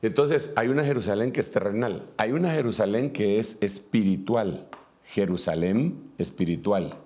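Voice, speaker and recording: A man's voice: fairly low pitch, normal speed, warm tone. A man preaching a sermon, reading scripture aloud and then explaining it at a whiteboard with many fillers and asides.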